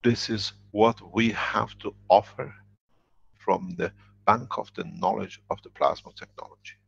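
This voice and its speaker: A man's voice: fairly low pitch, a little slow, creaky, a bit bright, breathy edge. A man giving a workshop lecture, speaking emphatically and repeating his key phrases. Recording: dull lo-fi recording.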